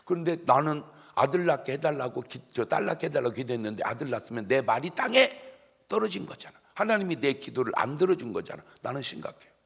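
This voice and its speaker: A gravelly, husky middle-aged man preaching in a church, his voice bright and edgy. His pitch swings widely as he fires questions at the congregation and waits for them to answer back. The sound rings with long reverb from the hall. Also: very animated, quick pace. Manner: call-and-response questions to the congregation, humorous. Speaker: pastor. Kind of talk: sermon at a dawn revival service. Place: church sanctuary.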